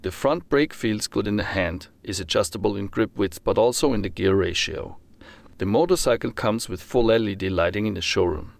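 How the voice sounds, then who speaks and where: A man reading a scripted motorcycle review as voice-over, in a steady, formal manner. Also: lowish voice, moderate pace, vocal fry. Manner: steady, formal read-through of technical details.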